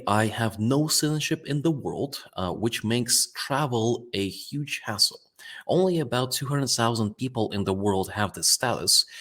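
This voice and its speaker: A man in his thirties from Latvia with a Latvian-Russian accent, presenting company results to investors in a relaxed way with many fillers. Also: on the low side. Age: 30s.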